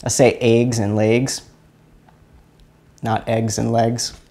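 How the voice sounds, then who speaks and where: A man with a Chalmette Louisiana accent talks at a middle pitch as he leads a casual live stream. He rambles, restarts his sentences and repeats words as he walks viewers through an exercise. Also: level tone, slow pace, dark tone. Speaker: live stream host teaching energy healing.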